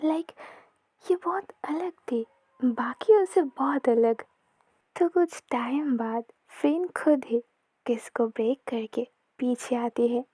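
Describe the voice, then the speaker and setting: A woman retelling a romance series as a story, in a soft, often half-whispered narration. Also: sits high, slow pace, slightly rough, dry recording.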